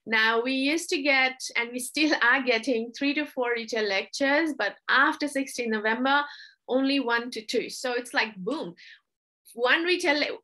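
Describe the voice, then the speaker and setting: Young woman tutor, kinda high voice, chatty and apologetic, lots of ums. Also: unhurried, pushed and bright. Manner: chatty, apologetic, with frequent fillers. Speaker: English test tutor. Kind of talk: casual instructional explanation.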